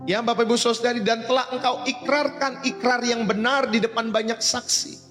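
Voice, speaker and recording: A man's voice: very high voice, fairly even intonation, moderate pace, fairly bright tone. A male pastor preaching a sermon in a blunt, colloquial way, often calling out to the congregation. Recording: long reverb with faint music behind.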